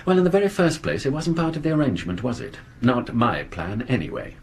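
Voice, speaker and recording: An actor playing a curt, sarcastic husband with an English accent, clipped and sardonic, in a 1980s radio drama. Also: male voice, medium pitch, a little fast, a little hiss or hum, lightly acted. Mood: irritated.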